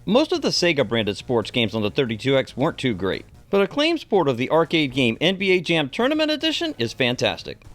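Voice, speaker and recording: A man's voice: a little high, a bit bright. A middle-aged man reading an enthusiastic scripted video game review as its presenter.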